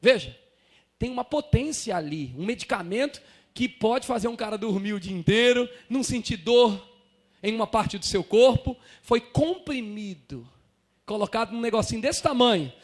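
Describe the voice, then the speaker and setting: High-voiced, dramatic male preacher. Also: expressive, moderate pace. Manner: dramatic preaching with sudden swings from soft to shouting; directs congregation members in a live demonstration. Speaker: pastor. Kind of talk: sermon. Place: church in front of a congregation.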